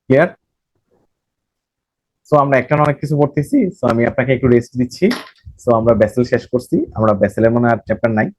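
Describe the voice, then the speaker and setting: A man's voice: medium pitch, fast talker, pauses often, a little mellow, slight background noise. A man from Bangladesh, giving a recorded banking lecture and repeating phrases as he explains. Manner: explains by repeating phrases, mixing in English terms, self-corrects. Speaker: banking exam tutor.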